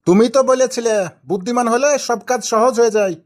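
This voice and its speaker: A man's voice: extremely high pitch, fast talker. Wily village father-in-law played by a man, Rajshahi Bengali accent, teasing and questioning, for cartoon comedy. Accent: Rajshahi Bangladeshi Bengali. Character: wily, bantering village father-in-law who tests people. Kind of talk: amateur cartoon comedy dialogue.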